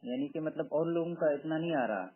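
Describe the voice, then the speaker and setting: A man's voice: on the high side, a little fast, slightly rough. A man on a recorded phone call, negotiating informally in a pleading, persistent way. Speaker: job candidate on a phone call.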